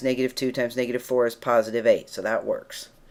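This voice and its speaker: In a very clean recording with a silent background, this man talks at a very fast pace. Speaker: math teacher. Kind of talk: tutorial. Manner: casual.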